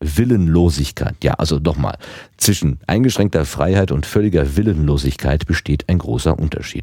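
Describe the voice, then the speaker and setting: The voice has a dark, mellow tone with vocal fry and ordinary pitch variation. It moves at a moderate pace with very even loudness. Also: man, very deep, low pitch for a man. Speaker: podcast co-host. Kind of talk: casual chat.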